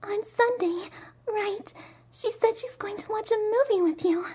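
A woman's voice: extremely high pitch, mellow. Tiny-voiced, timid teenage girl. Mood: shy, nervous. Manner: hesitant, halting, apologetic. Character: timid gentle teenage schoolgirl, hurt but self-effacing. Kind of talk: anime fan dub voice acting.

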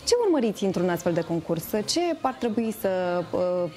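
A woman's voice: on the low side, warm tone. A young woman interviewing a guest conversationally in a TV studio. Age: young adult, around 30. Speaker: TV interviewer, host. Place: indoor TV studio. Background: music playing.

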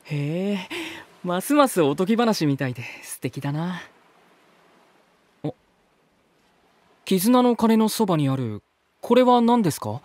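An actor playing a polite, curious young man in a voice drama, speaking in a gentle, thoughtful way. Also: sits high, very animated, unhurried, pauses often, no echo. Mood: curious wonder. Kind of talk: Japanese voice drama acting.

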